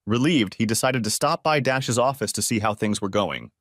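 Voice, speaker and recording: A man narrating an audiobook story in a steady storytelling manner. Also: fairly low pitch, moderate pace, no room sound, studio quality.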